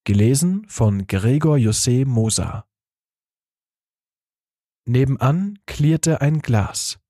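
Man, audiobook reading, calm and measured, slow, husky, close studio mic. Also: mid-range voice, no room sound. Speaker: reader.

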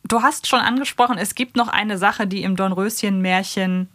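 Female podcast co-host, medium pitch, relaxed conversational reviewing style, very little room sound. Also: normal speed, dry recording, clean studio sound. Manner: colloquial, conversational. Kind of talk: casual review chat.

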